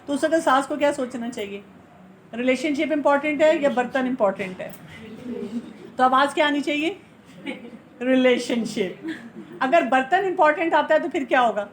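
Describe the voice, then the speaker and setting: A woman with a high voice gives instructive advice, earnest and patient. She poses questions and answers them herself, slipping English phrases into her talk. A faint background noise sits under the recording. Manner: explains by asking and answering her own questions. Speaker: family counselor.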